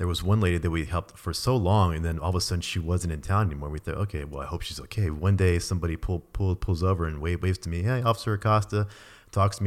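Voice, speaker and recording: A man with a very deep, low pitch speaks at a very fast pace with hardly any pauses and ordinary pitch variation, in a very clean recording with a silent background. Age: 30s. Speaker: podcast host. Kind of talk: interview. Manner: repetitive stammering.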